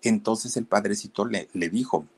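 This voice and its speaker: A man's voice: on the low side, moderate pace, slightly rough. A man with a Mexican accent telling a history story in a chatty style, talking directly to his listeners. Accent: Mexican Spanish. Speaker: history storyteller, channel host. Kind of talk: casual storytelling to an online audience.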